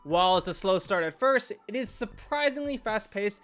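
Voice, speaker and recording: High-voiced man narrating a review. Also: expressive, moderate pace, fairly bright tone. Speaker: anime and visual novel reviewer. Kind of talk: scripted video review narration. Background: background music.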